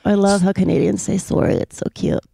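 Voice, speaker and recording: A woman hosting a podcast, talking with a guest in a sweet, soft-spoken way. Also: medium pitch, fairly even intonation, brisk, creaky, husky, no echo. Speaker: podcast host. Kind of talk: casual interview chat.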